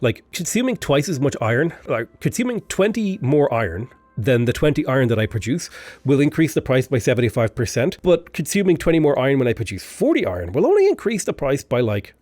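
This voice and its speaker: A man with a stuffy voice from a mild cold, walking through a strategy game in easy, chatty commentary. His pitch rises and falls a lot as he explains, often restarting his sentences. The close, dry sound carries no room echo. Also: sing-song, fairly quick, a little mellow. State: stuffy, a bit unwell. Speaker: game tutorial host. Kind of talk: casual gameplay commentary.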